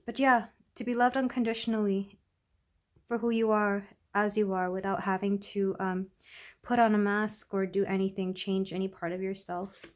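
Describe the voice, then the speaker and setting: A woman with a congested voice, recovering from illness, giving a soft, rambling tarot reading to her viewers. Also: mid-range voice, level tone, normal speed. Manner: soft, rambling, with many fillers. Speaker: tarot reader. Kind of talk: casual tarot reading to camera.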